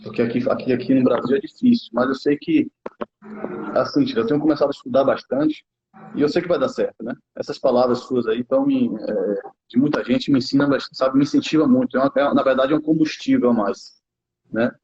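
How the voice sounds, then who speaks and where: Brief: man in his 30s from Brazil, former player now coaching, halting casual interview talk, dull lo-fi recording. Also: medium pitch, expressive, gravelly, a little mellow, slight background noise. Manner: halting, many restarts and tag questions. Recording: muffled lo-fi sound.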